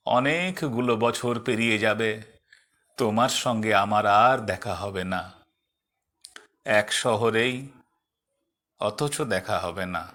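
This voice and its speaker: A man reciting poetry in a dramatic, expressive way, in measured phrases set apart by pauses. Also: mid-range voice.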